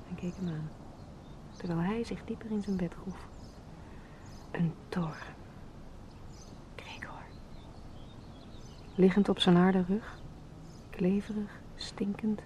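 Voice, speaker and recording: An actress playing a haunted, bitter young woman in a radio drama, speaking in a hushed voice that breaks into whispers. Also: fairly low pitch, muffled recording, a little hiss or hum.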